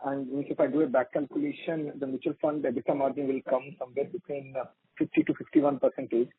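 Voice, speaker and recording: A man's voice: mid-range voice, lively intonation, fast talker, husky, no room sound. A man with an Indian accent, an analyst asking questions on a conference call and often repeating his words. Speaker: financial analyst caller. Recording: dry narrowband phone line.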